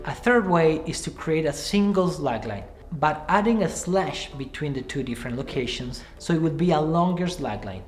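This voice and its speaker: A man in his thirties presenting a scripted screenwriting tutorial to camera from a small room, speaking in a clear, measured way. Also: fairly high pitch, animated, faint music behind. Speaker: screenwriting teacher. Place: small room with cards pinned on the wall.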